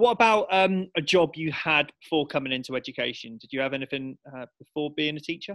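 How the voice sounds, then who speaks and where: Over a quiet background, a man with a fairly high voice talks fairly quickly with hardly any pauses, lively intonation and big swings in loudness. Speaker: school podcast host, teacher. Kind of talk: casual interview. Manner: jokey, playful. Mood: friendly, upbeat. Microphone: webcam.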